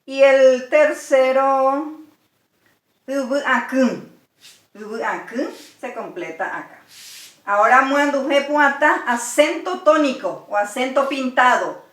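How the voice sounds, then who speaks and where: A woman's voice: high voice, lively intonation, takes it slowly, a bit bright. A woman teaching a language lesson, patiently explaining words one by one. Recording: echoey room.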